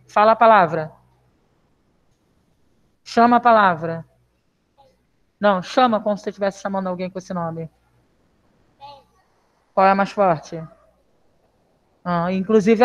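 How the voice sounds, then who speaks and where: A Brazilian woman teaching children in a live online class, patient and reassuring, asking coaxing questions. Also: fairly high pitch. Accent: Brazilian Portuguese. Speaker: primary school teacher. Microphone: video call. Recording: lo-fi video call audio.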